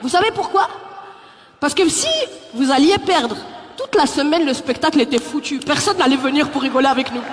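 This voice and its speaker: Lively woman comic on a big stage. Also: high voice, a little fast. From Paris suburbs, France. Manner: lively, teasing, talks directly to the audience. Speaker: stand-up comedian. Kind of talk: live stand-up set. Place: live comedy stage in a theatre. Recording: echoey hall, faint crowd noise.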